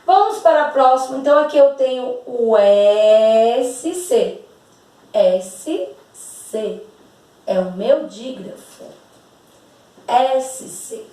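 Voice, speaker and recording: A Brazilian woman teaching a lesson, explaining slowly and patiently and drawing out words to demonstrate their sounds. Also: on the high side, mellow. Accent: Brazilian Portuguese. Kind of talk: slow, over-articulated classroom explanation. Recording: very echoey room, voice from a distance.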